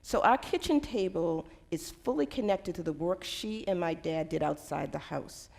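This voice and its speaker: Low-voiced, creaky woman panelist. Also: animated, moderate pace, darkish tone. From United States. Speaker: panelist, center director. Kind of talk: prepared personal remarks at a public panel.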